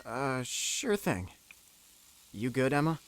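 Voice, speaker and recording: A man's voice: mid-range voice, very animated, slow pace, dry recording. An actor playing an easygoing, cheeky teenage boy in an audio drama, talking casually and breezily. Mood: sheepish.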